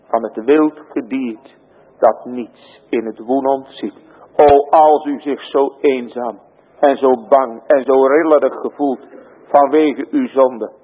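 A man preaching a sermon in a church, solemn and slow, rising to emphatic cries. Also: mid-range voice, husky, long reverb tail, narrow, tinny audio.

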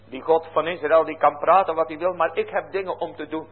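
A man's voice: fairly even intonation, fairly quick, slightly rough. A preacher playing a wailing, pleading king. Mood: defiant. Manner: high, strained wailing plea, then stubborn and dismissive. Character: pleading proud Egyptian king, male, middle-aged. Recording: tinny phone-like lo-fi recording.

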